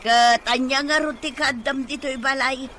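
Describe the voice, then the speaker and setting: A woman's voice: high voice, fairly even intonation, normal speed, sharp tone. A woman playing a grumbling, money-minded Filipino grandmother who likes to gamble, in an Ilocano audio drama. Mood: scolding.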